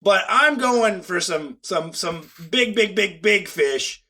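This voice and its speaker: A man co-hosting a podcast whose voice sits high for a man and sounds nasal and stuffed up from a cold. He talks in an earnest, upbeat way to his listeners. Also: expressive, slow pace, sharp tone. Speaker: podcast co-host. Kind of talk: casual podcast chat.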